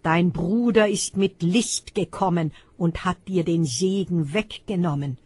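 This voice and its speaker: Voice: medium pitch, a little slow, darkish tone, husky, no room sound. A reader voicing an old blind father, shaken and grave, speaking in a solemn, reciting way.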